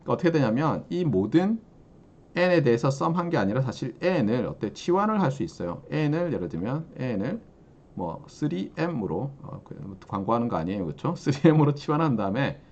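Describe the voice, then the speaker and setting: Lively male professor lecturing a class. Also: medium pitch, normal speed, muffled recording. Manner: lively, asks the class frequent rhetorical questions. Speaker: university professor.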